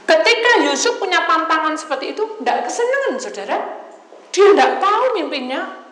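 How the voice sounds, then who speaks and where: Lady pastor preaching, really expressive up-and-down voice, echoey hall. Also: extremely high pitch, normal speed, a little hiss or hum. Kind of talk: sermon.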